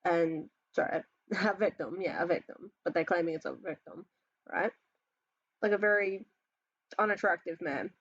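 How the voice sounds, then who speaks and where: A man's voice: high voice, normal speed, fairly bright tone, husky, lo-fi sound. An Australian trans man with a feminine-sounding voice, ranting casually while reacting to memes, swearing often and rambling between sighs and laughs. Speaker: reaction video host.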